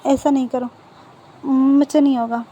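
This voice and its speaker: A woman's voice: high-pitched, level tone, a little slow, mellow, slight background noise. A woman voicing a shy, easily flustered young man who stammers bashfully.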